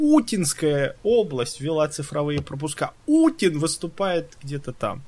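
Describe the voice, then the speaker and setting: Speaking at a very slow pace with hardly any pauses, a man uses a fairly high pitch and ordinary pitch variation. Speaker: podcast co-host. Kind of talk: casual chat.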